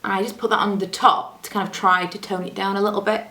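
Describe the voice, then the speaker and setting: A young woman doing a chatty, self-deprecating makeup tutorial at home, her voice a little low from a coming cold, speaking close to the camera. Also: flat delivery, fast, pushed and bright, reverberant. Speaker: beauty vlogger. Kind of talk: casual makeup tutorial chat. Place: room at home, indoors. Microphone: camera close to the face.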